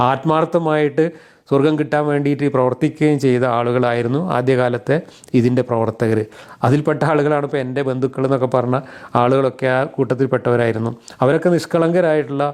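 With a plain, everyday voice, a man speaks at a fairly high pitch, his intonation fairly even and his loudness very even. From Kerala, India. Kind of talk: video monologue.

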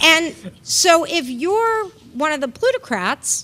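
A woman's raised, projected voice with an American accent, extremely high in pitch, bright and sharp in tone, with very wide pitch swings. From Texas. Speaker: political strategist; panelist. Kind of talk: panel discussion. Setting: stage with audience. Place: stage. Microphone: podium.

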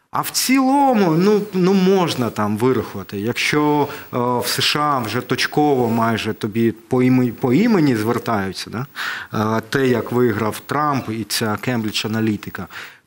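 Using lively intonation, a man speaks at a very slow pace. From Ukraine. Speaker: state property official, lawyer; lawyer. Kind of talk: studio talk show discussion. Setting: TV studio. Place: studio. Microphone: headset.

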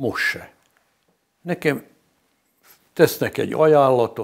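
Vocal fry runs through this man's voice against a quiet background. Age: 80s. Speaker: opera singer. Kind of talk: interview. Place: home room. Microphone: lapel.

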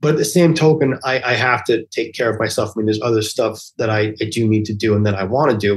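Against a quiet background, a man speaks very fast and somewhat breathily, with hardly any pauses and ordinary pitch variation. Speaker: amphibian podcaster and hobbyist keeper; amphibian podcaster. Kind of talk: casual interview conversation. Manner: animated when passionate. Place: home room. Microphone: video call.

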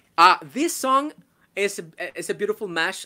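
A bright, sharp voice with a Spanish accent is heard over a quiet background. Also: man. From Mexico, Monterrey; Nuevo León, Mexico. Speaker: singer-songwriter; guest. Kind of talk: interview; interview answer. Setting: video call. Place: home room.

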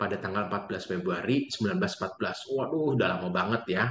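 A man speaks with audible room echo. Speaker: presenter. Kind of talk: devotional talk to children.

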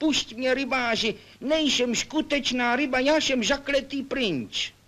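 High in pitch, this is a put-on character voice. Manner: pleading.

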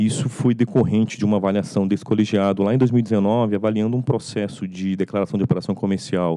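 Against a quiet background, a man talks at a moderate pace in a fairly low pitch, with a dark, mellow tone and fairly even intonation. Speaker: regulatory agency technical staff. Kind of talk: technical presentation. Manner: halting, many fillers. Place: office.

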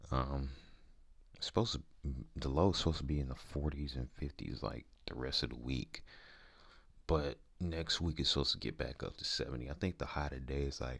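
A man's very deep, low voice with vocal fry, ordinary pitch variation and a fairly quick pace against a quiet background. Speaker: vlogger. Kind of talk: casual vlog chat. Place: home room. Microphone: handheld.

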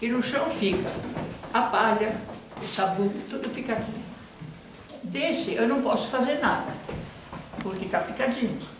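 A woman with a fairly high pitch and ordinary pitch variation speaks at a moderate pace, leaving long, frequent pauses. Room echo and noticeable background noise can be heard. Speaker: grandmother teaching a craft. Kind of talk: craft demonstration to children. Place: home room. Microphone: camera far.

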